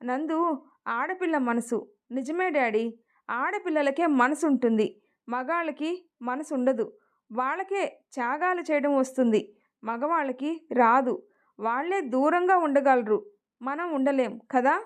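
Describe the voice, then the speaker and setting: A woman's voice: high voice, measured pace, long pauses. A woman voicing a devoted, passionate young man in an emotional story reading, speaking earnestly.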